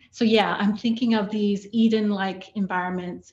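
Somewhat breathy, a woman with an American accent speaks with fairly even intonation. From North Carolina, small town. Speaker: painter. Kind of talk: artist talk on video panel. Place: home room. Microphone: video call.

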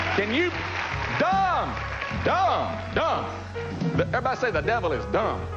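Against loud background noise, a man talks at a fairly slow pace, stopping often for long pauses. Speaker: preacher leading a church service. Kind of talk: live sermon preached to a congregation, improvised. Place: church. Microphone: lapel.

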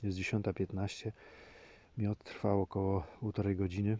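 This man speaks fairly slowly in a fairly low, somewhat breathy voice. His intonation stays fairly even, and the sound is dry with no echo. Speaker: hunter. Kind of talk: casual talk to camera. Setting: outdoors, phone recording from a hunting stand. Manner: whispered, quiet. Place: forest. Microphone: phone near.

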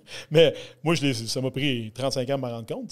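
A man speaks in a Quebec accent with ordinary pitch variation. The background is quiet. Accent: Québécois French. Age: 40s. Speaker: former bodybuilder and fitness coach; fitness coach. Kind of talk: casual interview. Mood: candid, reflective storytelling. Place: studio. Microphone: studio mic.

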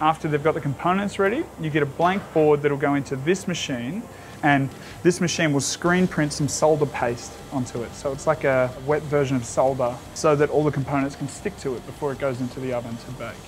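Fairly quick speech from a man, backed by music. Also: ordinary pitch variation. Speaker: factory staff tour guide. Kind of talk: guided tour explanation. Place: factory.

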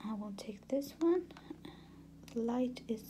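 Quiet and very slow, a woman speaks in a soothing, calm tone over light background noise. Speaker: ASMR makeup artist. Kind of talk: asmr whisper roleplay, makeup application. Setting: video to camera. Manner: soft-spoken, slow, gentle whisper; soothing, calm, hushed, with hesitant fillers. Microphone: phone near.

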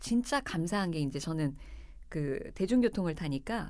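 The woman's pitch swings very widely. She keeps to a moderate pace. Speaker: voice actor. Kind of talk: casual chat.

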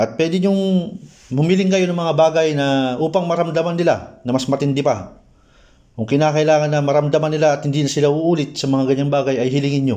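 Very fast delivery from a man with a dark, mellow tone and a fairly high pitch. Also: ordinary pitch variation. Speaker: folk healer and esoteric teacher. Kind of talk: spiritual teaching. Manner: hesitant, with frequent filler sounds.

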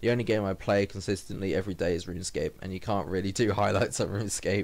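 A man talks at a very fast pace in a British accent. His fairly low voice carries vocal fry. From Britain. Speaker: gaming YouTuber. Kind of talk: casual, informal. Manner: monotonous; rambling, casual. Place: home room.

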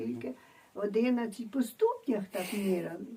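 Her voice moves in very wide pitch swings. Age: old. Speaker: village grandmother. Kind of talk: interview answer, village memories.

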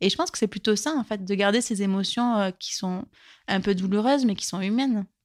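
A woman at medium pitch talks at a fairly quick pace with ordinary pitch variation, on a very clean recording with a silent background and a dry, close sound without echo. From southern France, near Toulouse. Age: young. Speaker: bereaved sister and author. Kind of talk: testimony. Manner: hesitant, many fillers.

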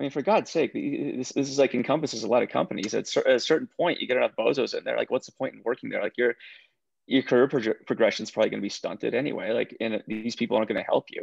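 A man talks at a very fast pace. The sound is dry with no echo, and the background is quiet. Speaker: podcast host. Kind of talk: casual chat. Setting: video call. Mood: frustrated, earnest. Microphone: video call.

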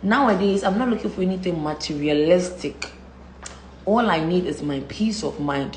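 A woman with a fairly low pitch speaks at a moderate pace with lively intonation. Audible room echo and light background noise are present. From Ghana. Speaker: social media personality. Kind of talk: personal video statement. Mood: aggrieved, defiant. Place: home room. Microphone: phone near.

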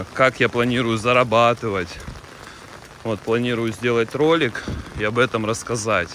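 Over noticeable background noise, the speaker goes at a moderate pace with long, frequent pauses. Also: man, medium pitch for a man, fairly even intonation. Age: 30s. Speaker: travel vlogger. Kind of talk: walking vlog monologue. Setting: outdoors walking in rain.

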